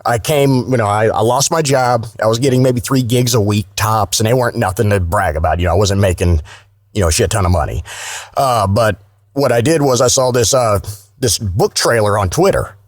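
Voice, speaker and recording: A man's voice: fairly low pitch, brisk, no room sound, studio quality. A man with a Southern US accent chatting casually as a podcast guest, folksy, colloquial and salty in his wording. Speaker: guest, voice-over artist.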